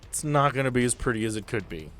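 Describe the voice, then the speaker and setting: A man's voice: mid-range voice, animated, quick pace, a bit bright. A man narrating a tabletop roleplaying game as game master in a casual, joking way.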